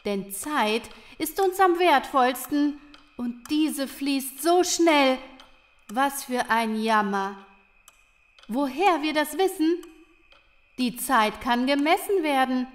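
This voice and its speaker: A woman voicing a proud female little creature who leads a chamber, speaking ceremoniously in theatrical rhyme for a children's audio drama. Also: high voice. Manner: ceremonious, theatrical rhyming delivery.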